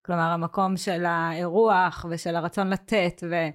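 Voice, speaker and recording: A woman's voice: lowish voice, level tone. A woman speaking as a guest in a podcast interview, talking hesitantly with many filler sounds and restarts. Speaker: community worker, guest.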